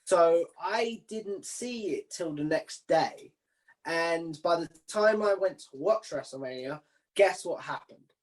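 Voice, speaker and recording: A man's voice: fairly high pitch, slow, rough recording. A man hosting a casual interview in an informal, chatty way. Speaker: podcast interviewer and host.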